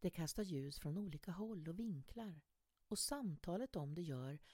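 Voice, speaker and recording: A woman speaks with a fairly low pitch and a dark, mellow tone that is somewhat breathy. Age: 50s. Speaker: podcaster and short story author. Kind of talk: personal reflective monologue.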